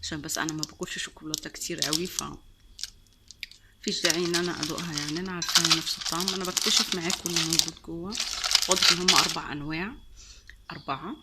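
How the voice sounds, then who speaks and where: A woman's voice: fairly low pitch, steady tone, rapid-fire, very noisy. A woman with an Egyptian Arabic accent chatting casually on her vlog as she tastes sweets, gushing and repeating words for emphasis and sprinkling in English and French words. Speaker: vlogger. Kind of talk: casual taste-test chat.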